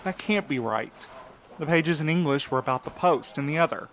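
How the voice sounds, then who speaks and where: A man's voice: fairly high pitch, lively intonation, fairly quick, fairly bright tone, a little hiss or hum. An actor playing an earnest, cautious, level-headed young man in a conversational audio drama. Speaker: actor in a fiction podcast.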